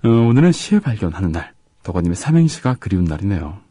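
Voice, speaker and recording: A man co-hosting a radio show, chatting casually and reading listener comments in a halting, soft-spoken way with gaps between his words. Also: low-pitched, very animated, breathy edge, no room sound.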